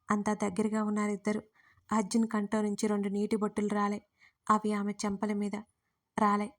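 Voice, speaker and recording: A woman writer narrating her own romance audio story in a steady, even storytelling manner. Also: medium pitch.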